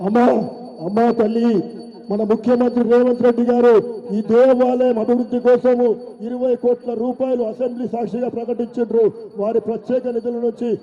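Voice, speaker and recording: A man with a Telangana accent petitions an oracle in a formal, imploring way. His voice is very high and varies little in pitch. It sounds dull in a long reverb. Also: completely flat delivery, a little fast.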